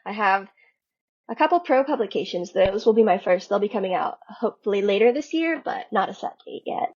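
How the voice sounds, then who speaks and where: A woman speaking as a guest writer, in relaxed conversation or reading her fiction aloud. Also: medium pitch, brisk, breathy edge. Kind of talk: story reading and casual interview talk. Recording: dull lo-fi recording.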